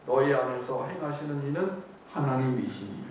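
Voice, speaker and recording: A middle-aged man, a missionary, giving a church seminar talk in a lively, joking way and acting out voices. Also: medium pitch, moderate pace, a little hiss or hum. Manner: animated, joking, acts out voices. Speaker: missionary speaker. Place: church hall. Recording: very echoey hall, from a distant mic.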